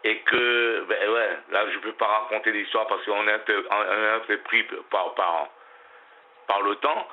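A man from Réunion with a Réunionese French accent, calling in to a radio show, his voice hoarse and his talk emotional and rambling. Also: fairly low pitch, steady tone, unhurried. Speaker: caller. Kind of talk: radio call-in. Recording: tinny phone line.

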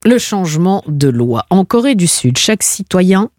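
A woman's voice: fairly low pitch, big pitch swings, a little slow, a little mellow, no echo, studio quality. A woman hosting a radio quiz game, playful and teasing, laughing often between questions. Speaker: radio game show host.

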